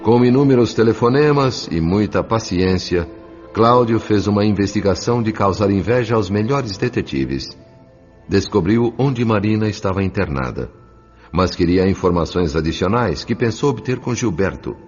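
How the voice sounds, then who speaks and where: A man giving solemn, measured, dramatic narration of a scripted audio story. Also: on the low side, lively intonation, a little mellow. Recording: dull sound with music underneath.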